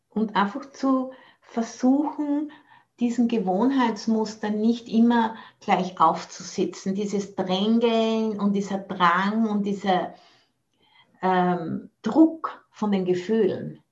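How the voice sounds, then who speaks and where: Reflective woman over muffled audio. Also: mid-range voice. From Austria. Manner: thoughtful, searching for words, mixes in English phrases. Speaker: Buddhist nun teacher. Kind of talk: dharma talk. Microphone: video call.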